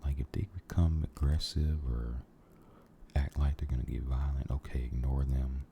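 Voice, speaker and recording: A man giving a soft-spoken, mostly whispered ASMR ramble, halting and gentle, repeating his phrases, close to the microphone. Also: extremely low pitch, steady tone, vocal fry, slight background noise. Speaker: ASMR video creator.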